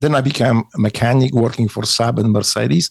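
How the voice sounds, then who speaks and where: Recorded dry and close with no echo, a man talks at medium pitch with ordinary pitch variation and a moderate pace. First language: not English. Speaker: war veteran. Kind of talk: interview, personal testimony. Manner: halting.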